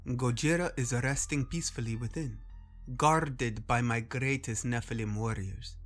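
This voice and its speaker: A man's voice: medium pitch, measured pace, a bit bright, faint music behind, natural voice. A man voicing a stately, reassuring armored warrior leader in a solemn, declamatory manner for a fantasy story. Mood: solemn reassurance. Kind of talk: acted dialogue in narrated fantasy story.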